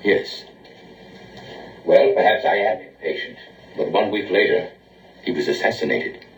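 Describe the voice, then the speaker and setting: An actor playing a grave male alien visitor who judges humanity, in a solemn, measured 1970s TV drama delivery. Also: low-pitched, expressive, low-quality recording. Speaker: space visitor.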